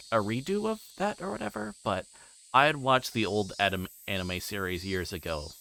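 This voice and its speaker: Low-voiced man, halting livestream chat. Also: bright, forceful tone, a little hiss or hum. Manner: halting, rambling, repeating words. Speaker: livestream host. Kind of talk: casual livestream chat while playing a visual novel.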